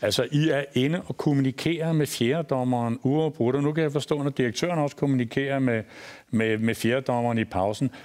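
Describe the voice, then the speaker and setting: A man's voice: mid-range voice, darkish tone. A man on a football talk show panel who teases the guest and asks pointed questions. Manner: teasing, probing questions. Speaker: panelist, former football boss. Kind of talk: casual talk show chat.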